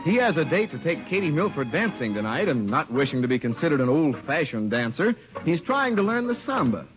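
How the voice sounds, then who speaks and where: A male radio announcer with a slightly high, lively voice, narrating in a genial, leisurely way. The old broadcast sounds muffled, with clear music playing behind him. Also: a little fast.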